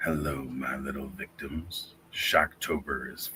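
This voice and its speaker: In a put-on character voice, a man speaks with a very deep, low pitch. His delivery is fairly slow. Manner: sinister, theatrical.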